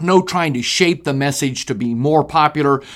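Passionate in tone, a man speaks at a moderate pace. His pitch is fairly high and shows ordinary variation. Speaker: preacher. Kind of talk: sermon recap and devotional talk. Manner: passionate preaching.

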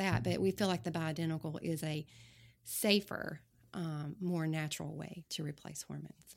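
A plain, everyday voice at a moderate pace, in a very clean recording with a silent background. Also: woman. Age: 50s. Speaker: compounding pharmacist. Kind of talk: interview.

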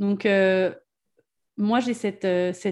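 Against a quiet background, a woman of medium pitch speaks with a dark, mellow tone and fairly even intonation. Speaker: podcast guest. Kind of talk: casual interview.

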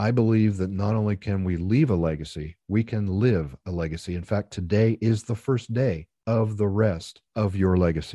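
A man speaks at a moderate pace with hardly any pauses, in a fairly low pitch with ordinary pitch variation. His tone is dark and mellow, and the background is quiet. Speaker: life and business coach, podcast host. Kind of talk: solo podcast monologue.

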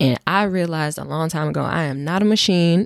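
Recorded very cleanly against a silent background, a woman with an American accent speaks at a very deep, low pitch. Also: dry, close sound with no echo. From North Carolina. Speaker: podcast host. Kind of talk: solo podcast monologue.

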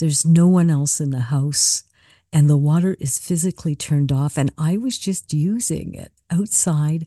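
A woman's very deep, low voice with a dark, mellow, warm tone, ordinary pitch variation and a northern Ontario accent. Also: moderate pace. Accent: Canadian English, northern Ontario. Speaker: podcast host and spiritual medium. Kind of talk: ghost story telling, personal storytelling. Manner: warm, conversational, suspenseful storyteller.

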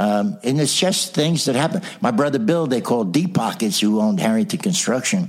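With an American accent, the speaker talks at a fairly quick pace with hardly any pauses, very wide pitch swings and very even loudness over noticeable background noise. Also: man, fairly high pitch for a man. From New Jersey. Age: 70s. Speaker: podcast host and motivational speaker. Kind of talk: interview, telling life stories. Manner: animated.

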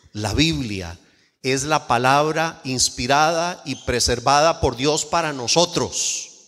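A man's fairly high voice, with ordinary pitch variation, moves at a very slow pace. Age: 50s. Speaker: pastor. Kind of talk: sermon.

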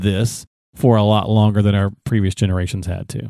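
Recorded very cleanly against a silent background, a man speaks with a dark, mellow tone in a dry, close sound with no echo. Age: 40s. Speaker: podcast co-host, small business owner. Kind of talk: casual chat.

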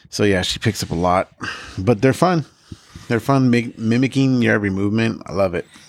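This man has an American accent and an unremarkable speaking voice at a medium pitch. He speaks at a fairly quick pace with ordinary pitch variation. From Los Angeles. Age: middle-aged. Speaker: tattoo artist and podcast co-host. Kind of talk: casual chat.

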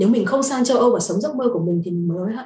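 Somewhat breathy and dark, mellow in tone, a woman's fairly high voice carries ordinary pitch variation. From Vietnam. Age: 30s. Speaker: podcast guest, MBA graduate and aspiring singer. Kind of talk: casual chat. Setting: at home on a sofa.

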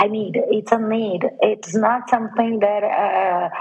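A woman with a Portuguese accent speaks at a fairly slow pace in a fairly high pitch, with ordinary pitch variation over noticeable background noise. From Brazil. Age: 50s. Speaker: lawyer and author. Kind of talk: interview.

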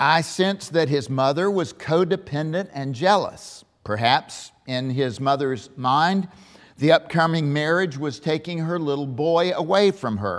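A man's unremarkable speaking voice, fairly high in pitch, with ordinary pitch variation and a fairly slow pace. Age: 60s. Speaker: pastor. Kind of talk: sermon. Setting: church.

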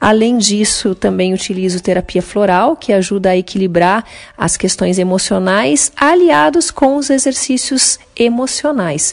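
With very wide pitch swings around a medium pitch, a woman speaks at a fairly slow pace. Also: very even loudness. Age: 40s. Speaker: naturopath and university lecturer. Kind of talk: interview.

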